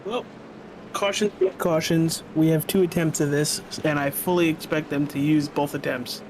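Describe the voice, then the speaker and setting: A man's voice: on the high side, fairly even intonation, normal speed, a little mellow, slight background noise, poor audio. A man co-commentating an esports race, chatty analysis mixed with wisecracks.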